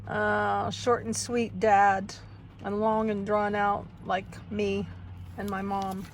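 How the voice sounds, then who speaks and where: A woman's voice: medium pitch, flat delivery, takes it slowly, a little hiss or hum. An older woman in a casual vlog, reminiscing and reading aloud in a wistful, rambling, reflective way. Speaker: vlogger. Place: inside a parked car.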